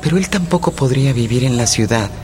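A woman's voice: rumbling low, animated, fast, background noise. An actress playing a torn, uncertain rural Mexican woman in a radio play, confiding and questioning herself. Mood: anguished doubt. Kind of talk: radio theatre monologue.

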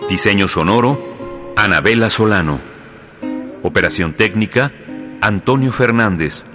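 A man's voice: fairly low pitch, lively intonation, a little slow, over music. A man reading scripted titles and credits as a radio announcer.

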